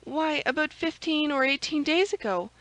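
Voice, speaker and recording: A woman's voice: sits high, expressive, normal speed, a bit bright, no room sound, voice pushed up. A woman voicing a frightened, devoted young chambermaid with a pleading, urgent manner in a storybook reading.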